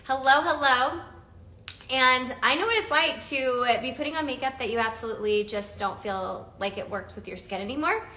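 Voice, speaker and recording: A woman's voice: high-pitched, normal speed, bright, forceful tone, reverberant. A woman in her forties hosting a casual live stream, chatty and bubbly, laughing often as she talks through makeup. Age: 40s.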